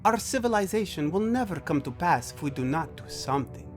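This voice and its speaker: A man voicing an earnest, idealistic ancient alien nobleman in a sci-fi audio drama, formal and deliberate, with music behind. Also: on the high side, lively intonation, pitched above the performer's own voice, close to an everyday voice. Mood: earnest, resolute.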